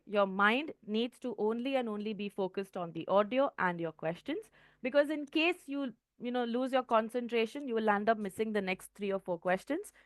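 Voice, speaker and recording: With a fairly high pitch, this woman, an IELTS trainer with an Indian English accent, teaches a test-prep lesson in a clear tone and keeps checking in with "okay." The studio sound is clean, with no room sound.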